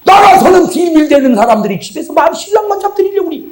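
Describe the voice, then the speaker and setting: A middle-aged man preaching a humorous revival sermon to a congregation, telling stories from home and acting out his wife's replies, sometimes shouting. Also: very high-pitched, sing-song, fast. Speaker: pastor. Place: large church revival meeting.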